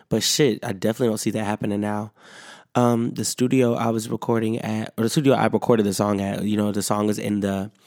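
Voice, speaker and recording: A man's voice: medium pitch, no room sound, studio quality. A man hosting his own podcast in a loose, rambling chat full of fillers and swearing, his voice not fully back after being sick. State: voice not fully recovered from illness. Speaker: podcast host. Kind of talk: casual solo podcast chat.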